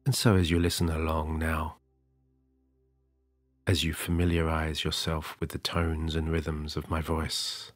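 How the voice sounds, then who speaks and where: A man leading a guided sleep hypnosis session, talking softly and slowly with long pauses. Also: a bass voice, monotone, no echo. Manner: soft, slow and soothing, with long pauses. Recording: dry close studio voice over soft music.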